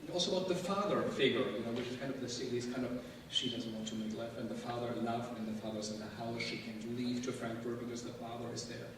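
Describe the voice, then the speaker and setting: Hesitant male moderator in a reverberant hall. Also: medium pitch. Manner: hesitant, halting, rambling questions. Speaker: moderator, interviewer. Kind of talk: live public discussion. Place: public event hall with audience. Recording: very echoey hall, distant mic, clear noise.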